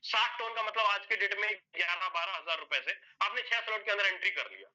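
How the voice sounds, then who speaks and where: Man, whiteboard explainer, sharp high voice, repetitive step-by-step, rhetorical questions, muffled lo-fi sound. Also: animated, quick pace. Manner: addresses listeners as sir and brother. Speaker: presenter explaining an earning plan. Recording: dull lo-fi recording.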